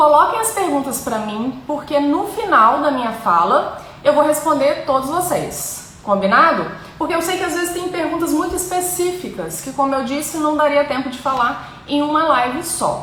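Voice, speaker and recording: A high-pitched woman's voice with a Minas Gerais accent, lively intonation and a moderate pace, plus audible room echo and noticeable background noise. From Minas Gerais, Brazil. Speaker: academic coach / professor. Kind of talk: live stream talk. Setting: Instagram live.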